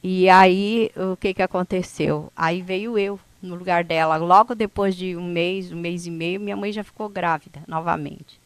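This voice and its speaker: A woman from the São Paulo coast whose first language is a Brazilian indigenous language, telling her life story to an audience in an unhurried, conversational way. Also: lowish voice, steady tone, clean tone, no echo. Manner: unhurried, conversational, with frequent "né?" tags and restarts. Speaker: indigenous speaker at an event.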